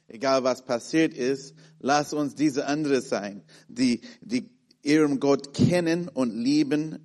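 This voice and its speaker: A man in his thirties with an American accent, preaching in a halting way with many fillers and restarts as he searches for words. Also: medium pitch, darkish tone. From born in Malaysia, raised in the USA and the Philippines. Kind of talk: sermon with personal story.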